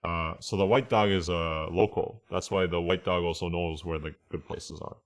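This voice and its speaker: A man with a low-pitched voice teaches a casual online language class. He explains and translates while thinking aloud, often pausing to check that everyone follows. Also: steady tone.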